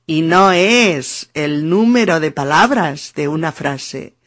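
A woman from teaching pronunciation in a podcast lesson, speaking slowly and deliberately and sounding out rhythm. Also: low-pitched, breathy edge. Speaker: Spanish teacher.

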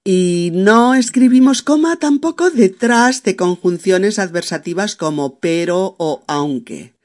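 Man, podcast teacher, slow careful delivery, slightly high voice. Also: lively intonation. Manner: patient, with many checks like "¿de acuerdo?" and "¿mm?"; reads example sentences aloud with the punctuation named. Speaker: Spanish teacher and podcast host. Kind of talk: slow didactic podcast lesson.

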